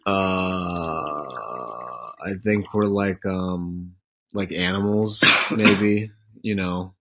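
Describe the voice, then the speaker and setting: A man playing an unsure little creature, halting and mumbling as it ponders. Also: sits low, highs cut off, background noise, heavily acted. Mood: hesitant.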